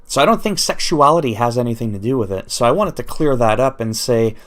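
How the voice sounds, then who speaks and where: A man's voice: mid-range voice, animated, fast, a bit bright. A man whose first language is French, ranting off the cuff in an unscripted vlog commentary and thinking aloud as he goes. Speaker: YouTuber.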